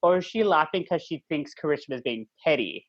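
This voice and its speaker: Animated man co-hosting a podcast chat. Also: a little fast, lo-fi sound. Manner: animated, acts out quotes with jumps in pitch. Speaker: podcast co-host. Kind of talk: casual chat.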